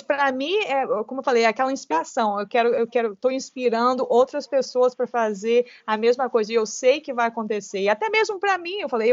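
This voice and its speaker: A Brazilian woman in her late forties with a Brazilian Portuguese accent, a trail runner talking as a guest. She speaks in animated bursts with many restarts. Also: sits high, no echo. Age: late 40s. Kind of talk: casual interview conversation. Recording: dull lo-fi podcast audio.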